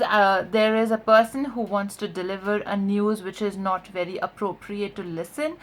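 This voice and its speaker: A woman who is a non-native English speaker teaches an explanatory video lesson as a coach, stressing and stretching key words and often checking in with short tags. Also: mid-range voice. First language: not English. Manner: emphatic, drawn-out key words, frequent check-in tags like "right?". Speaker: online voice and accent coach.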